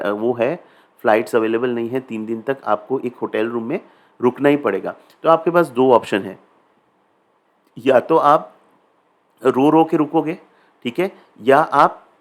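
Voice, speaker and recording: A man with an Indian accent giving a casual spiritual talk, chatty and conversational, mixing English phrases into his speech and often checking in with listeners. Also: medium pitch. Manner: conversational, mixes English phrases into Hindi, often asks "ठीक है?". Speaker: spiritual teacher.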